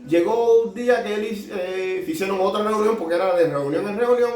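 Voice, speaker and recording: A man with a Cuban Spanish accent telling his story as a doctor, halting often and mixing Spanish with Portuguese. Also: high voice, a little mellow. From Cuba. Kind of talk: casual storytelling. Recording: echoey room, mic at a distance.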